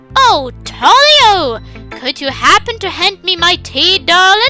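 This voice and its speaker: An extremely high-pitched, put-on character voice speaks at a fairly slow pace. Faint music plays in the background. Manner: affected, polite.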